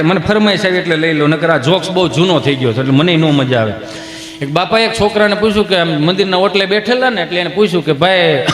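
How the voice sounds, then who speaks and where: Comedian in an echoey hall. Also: male voice. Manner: animated joke-telling, jumping into high-pitched voices for mothers and children. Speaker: stand-up comedian. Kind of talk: Gujarati folk comedy storytelling on stage. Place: large hall before a live audience. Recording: echoey hall with faint ambience.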